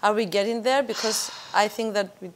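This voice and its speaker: A woman hosting a talk show, asking short questions and backing the guest up with quick yeahs. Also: medium pitch. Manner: short questions, frequent brief backchannels. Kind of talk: interviewing.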